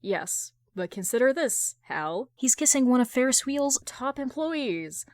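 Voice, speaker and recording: A woman voicing a sharp, judgmental businesswoman with a blunt, sarcastic, deadpan delivery in an audio fan-fiction drama. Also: high voice, a little slow, no echo, clean studio sound, heavily acted. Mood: exasperated, stern.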